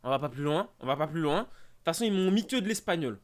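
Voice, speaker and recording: Young man, casual game commentary, sarcastic, mock-annoyed, higher-pitched. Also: lively intonation, fast talker. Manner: mock-exasperated, sarcastic, talks to himself. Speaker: gaming YouTuber. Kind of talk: casual let's-play commentary.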